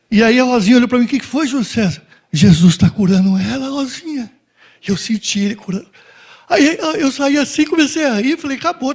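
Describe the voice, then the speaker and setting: A man giving a spoken Christian testimony to a dinner audience, telling his story in an animated way and acting out the voices of the people in it. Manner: animated storytelling, acts out dialogue with shifts in pitch. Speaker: guest speaker giving a testimony.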